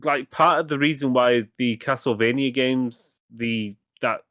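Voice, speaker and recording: A man's voice: mid-range voice, fairly even intonation, unhurried, fairly bright tone, no echo, studio quality. A man co-hosting a gaming podcast, talking casually in rambling, self-correcting sentences and swearing now and then. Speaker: podcast co-host.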